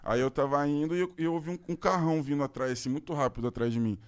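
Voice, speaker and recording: A man's voice: on the high side, racing, clean tone. A man with a Brazilian accent telling a long personal story in casual podcast chat, rambling and full of slangy filler words. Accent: Brazilian Portuguese.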